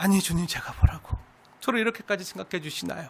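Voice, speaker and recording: In a put-on character voice at a middle pitch, the speaker rattles along at a very fast pace, sounding shaky. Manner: overwhelmed with gratitude.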